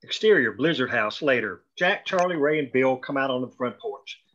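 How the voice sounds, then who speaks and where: A man narrates screenplay stage directions at a table read. His voice is bright and forward, at a middling pitch, on a dull, lo-fi recording. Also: expressive, normal speed.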